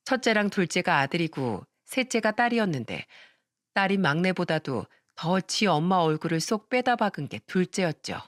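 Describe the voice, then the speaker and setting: Man narrator for story radio, calm and reflective, dry close sound. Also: high voice, no room sound.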